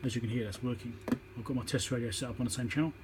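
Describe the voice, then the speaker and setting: Speaking very fast with fairly even intonation, this man has a medium-pitched voice over heavy background noise. He's an electronics repairer giving a casual, practical hands-on repair tutorial, talking through his thoughts as he goes, recorded on a tripod-mounted phone.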